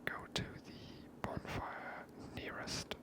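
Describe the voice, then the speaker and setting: A person whispering ASMR commentary while playing through a video game in a hushed manner. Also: slow pace. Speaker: game streamer.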